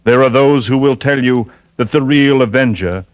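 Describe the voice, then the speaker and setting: An actor playing a fanatical male lodger who speaks in a ranting, biblical cadence and drops to a hushed, insinuating tone, in 1940s radio acting on a dull old broadcast. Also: medium pitch, moderate pace, natural voice. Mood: sinister. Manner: hushed, insinuating when calm. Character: fanatical, scripture-quoting male killer lodger.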